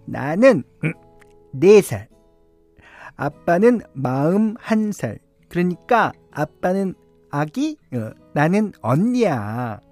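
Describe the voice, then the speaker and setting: A man voicing a bossy four-year-old girl in a story he reads aloud on radio, talking slowly in a drawn-out childlike way. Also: fairly high pitch, very animated, a little mellow, no room sound, faint music behind, pitched above the performer's own voice, exaggerated voice. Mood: insistent. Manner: slow, drawn-out childlike speech.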